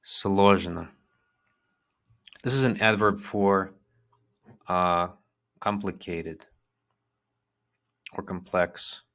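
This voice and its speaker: A man teaching a vocabulary lesson, repeating each word twice in a slow, patient way. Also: deep voice, fairly even intonation, fairly bright tone. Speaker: language teacher.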